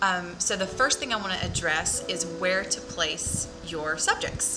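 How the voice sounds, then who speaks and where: Noticeable background noise fills the recording. Through it comes a woman's voice. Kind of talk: tutorial. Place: garage.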